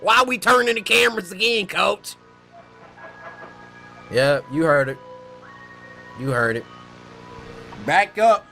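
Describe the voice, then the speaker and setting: A man's voice: high-pitched, takes it slowly, long pauses, over music. A man streaming reactions to horror shorts in casual slang, scared and jumpy, exclaiming and protesting at what he watches.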